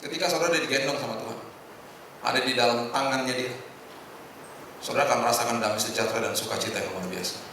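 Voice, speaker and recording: A middle-aged male pastor giving a lively, humorous sermon and acting out the lines he quotes. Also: medium pitch, quick pace, pauses often, slight background noise. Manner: animated, humorous preaching with acted-out quotes. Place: hotel function hall. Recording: echoey hall from far off.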